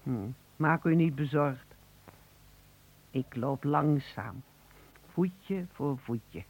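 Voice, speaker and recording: A woman's voice: sits low, a little mellow, heavily acted. An actress playing a poor, grateful old woman chatting hesitantly in a radio play. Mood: cosy, chatty. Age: older. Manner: hesitant, halting, chuckling. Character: poor, grateful, chatty old mother-in-law at a phone booth. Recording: narrow telephone-like old radio recording.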